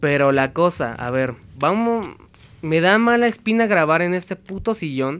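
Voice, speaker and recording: A man with a Mexican accent, high-pitched, lively in intonation, at a fairly slow pace. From Mexico. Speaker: gaming youtuber. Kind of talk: let's play commentary. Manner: animated. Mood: scared, joking, swearing.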